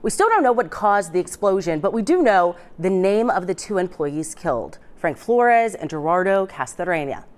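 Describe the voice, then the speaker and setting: A woman's voice: fairly low pitch, big pitch swings, normal speed, hardly any pauses. A woman with an American accent reading scripted morning news as a television anchor in a studio.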